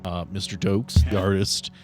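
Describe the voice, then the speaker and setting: A middle-aged man hosting a tabletop game casually as game master, in a wry, measured way. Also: low-pitched, level tone, soft background music.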